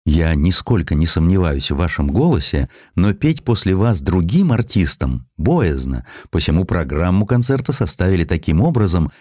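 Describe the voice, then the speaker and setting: A man's voice: low voice, dark tone, dry recording, clean studio sound. A man voicing a reserved male orchestra conductor in a storybook reading, formal, polite and insistent. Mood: tactful.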